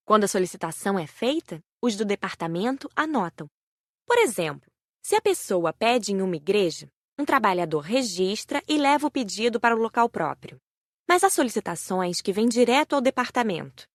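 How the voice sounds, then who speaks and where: A woman reads a first-person audiobook story in a mid-range voice. Her delivery is measured and carefully enunciated, and the sound is dry, with no room around it. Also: medium pitch, sing-song, no room sound. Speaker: audiobook narrator. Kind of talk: scripted first-person narration of a spiritist story.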